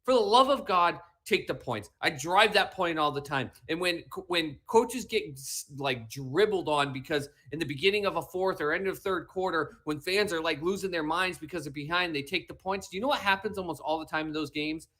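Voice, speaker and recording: A man's voice: a little high, a little fast, few pauses, a bit bright. Emphatic man ranting about football. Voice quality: whiny, slightly mushy voice. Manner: emphatic, lecturing, repeats lines for effect. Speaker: podcast co-host. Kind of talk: animated sports talk rant.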